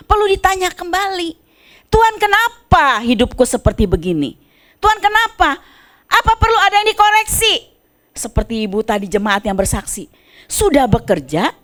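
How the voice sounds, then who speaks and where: Animated woman preaching a sermon. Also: high voice. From Indonesia. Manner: animated preaching, swinging from soft asides to loud exclamations.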